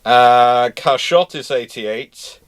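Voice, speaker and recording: A man's voice: mid-range voice, slow pace. A man in a casual live discussion of naval history, talking in a detailed, pedantic way. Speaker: live show panellist answering naval history questions.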